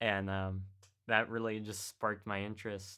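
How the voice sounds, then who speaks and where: This man has an American accent and a fairly low pitch. His tone is bright and sharp, his intonation monotone and flat, and his pace fairly slow. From Oregon coast, US Pacific Northwest. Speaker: sound designer. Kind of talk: casual chat.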